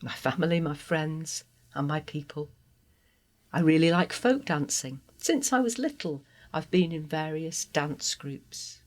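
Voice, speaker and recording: A trans woman from Guatemala, a native Spanish speaker, telling her life story in an interview with an earnest, heartfelt, measured manner. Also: low voice, darkish tone. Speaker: interview guest. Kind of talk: personal testimony interview.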